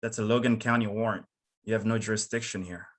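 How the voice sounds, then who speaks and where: A man acts out a stubborn small-town man in a drama script. The voice is on the low side, with a protective, authoritative manner. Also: steady tone, fast talker, lightly acted. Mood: firm, wry. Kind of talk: screenplay table read.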